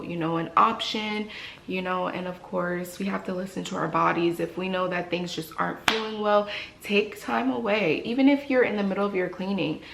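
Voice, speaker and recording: Chatty dental hygienist woman, gravelly tone. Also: mid-range voice, a bit bright. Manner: encouraging, chatty, repeats phrases for emphasis. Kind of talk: casual advice vlog. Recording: echoey room with faint noise.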